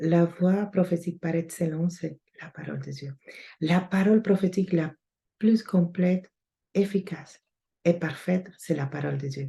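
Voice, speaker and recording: Speaking at a fairly slow pace with long, frequent pauses, a woman with a non-native accent has a fairly low, somewhat breathy voice whose loudness swings widely. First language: not French (speaking French). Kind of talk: sermon. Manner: halting.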